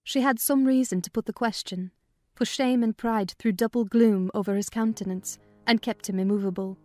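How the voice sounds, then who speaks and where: A woman's voice: on the high side, fairly even intonation, normal speed, darkish tone, dry recording, faint music behind. A woman narrating a classic novel as a scripted, dramatized audiobook reading.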